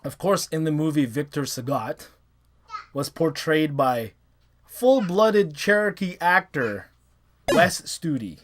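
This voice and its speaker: Male vlog host, casual and eager, mid-high voice. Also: expressive, slow pace, heavy background noise. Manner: enthusiastic, rambling, with laughs. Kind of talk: casual movie review vlog.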